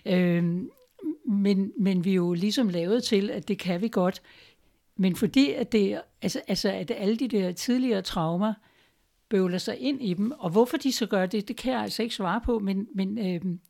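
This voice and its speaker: A woman's voice: medium pitch, gravelly, dark tone. A woman guest in a conversation, explaining her views and often checking in with tag questions. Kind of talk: reflective conversation.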